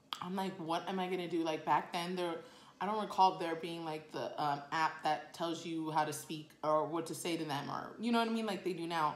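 A woman speaks at a moderate pace with ordinary pitch variation and a fairly low pitch. Audible room echo surrounds her voice. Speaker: food vlogger. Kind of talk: casual storytelling while eating. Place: home room. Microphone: phone near.

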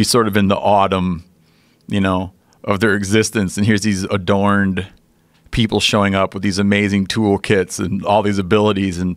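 Against a quiet background, a man with a fairly low pitch speaks at a moderate pace in a monotone, flat intonation, the sound dry with no echo. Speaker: podcast guest. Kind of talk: interview answer. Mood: thoughtful, reflective. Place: studio. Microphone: studio mic.

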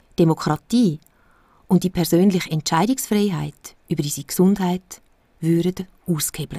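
A woman with a Swiss accent, fairly low in pitch, somewhat breathy and dark and mellow in tone, at a moderate pace with ordinary pitch variation, in a dry, close sound with no echo. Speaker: news presenter. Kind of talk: scripted political commentary.

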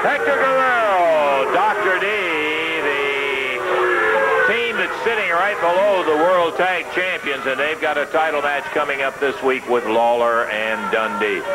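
A man talking at a fairly slow pace over clear music in the background. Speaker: wrestling announcer, interviewer. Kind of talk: TV wrestling commentary. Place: studio. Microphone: handheld.

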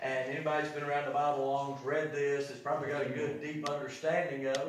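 Light background noise and audible room echo surround this man's voice. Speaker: preacher. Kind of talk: sermon. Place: church. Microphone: camera far.

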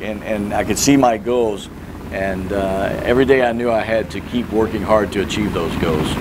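American-accented male speech, moderately paced, with ordinary pitch variation and noticeable noise in the background. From Kentucky, US South. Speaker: army officer. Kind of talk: interview. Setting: military camp. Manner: halting, many fillers and repetitions. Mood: calm, friendly, reflective. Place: open country.

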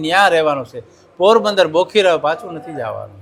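Bright and sharp in tone, this voice moves through ordinary pitch variation. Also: man. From Gujarat, Saurashtra (Porbandar area). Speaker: temple priest. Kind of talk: storytelling of religious history.

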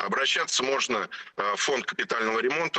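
A man speaking at a moderate pace over a quiet background. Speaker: head of regional housing repair fund. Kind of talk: live interview. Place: car. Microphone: video call.

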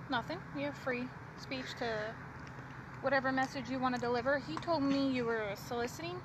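A woman's high voice at a fairly quick pace, calm in tone yet lively in intonation, broken by long, frequent pauses over noticeable background noise. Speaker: police officer. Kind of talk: casual conversation. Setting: outdoors. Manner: calm, polite.

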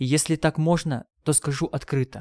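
An unremarkable speaking voice from a man, dry and close with no echo, on a very clean recording with a silent background. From Yakutia, Russia. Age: 30s. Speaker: storyteller. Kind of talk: scripted narration.

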